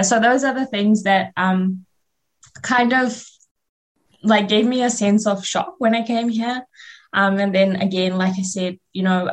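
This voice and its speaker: A young woman from Fiji with a Fiji Indian accent, a native Fiji Hindi speaker, talking informally and a little hesitantly as a radio interview guest. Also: medium pitch. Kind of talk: personal talk in a radio interview.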